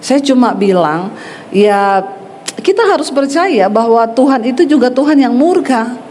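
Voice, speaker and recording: Middle-aged woman pastor, forceful storyteller, slightly high voice, long hall reverb. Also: unhurried, a little hiss or hum. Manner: animated, acts out quoted voices, blunt and forceful. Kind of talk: sermon with storytelling.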